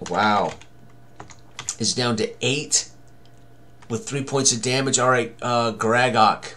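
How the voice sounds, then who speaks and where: A man's voice: medium pitch, fairly even intonation, takes it slowly, bright, forceful tone, a little hiss or hum. Older man narrating tabletop game dice rolls. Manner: short running commentary on rolls and tallies. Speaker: game master, tutorial presenter. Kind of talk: solo tabletop game walkthrough, thinking aloud. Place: small room indoors, at a computer.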